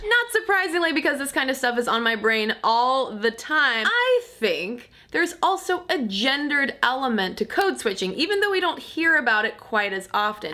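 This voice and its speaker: A woman hosts a scripted explainer with dry comic asides. Her voice is bright and a little high, and her pitch moves around a lot as she goes. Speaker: video host.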